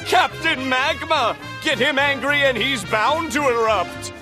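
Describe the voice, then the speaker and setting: A man's voice: very high-pitched, measured pace. An actor playing a theatrical male announcer in a cartoon, introducing superheroes in a grand manner. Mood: grandiose. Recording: clip with music behind.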